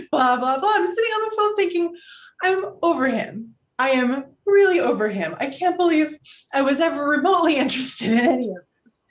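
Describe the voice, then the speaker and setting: Romantic comedy lead, read by an actress: neurotic, heartbroken thirties woman, high-pitched, self-critical, echoey room. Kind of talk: virtual table read of a film script.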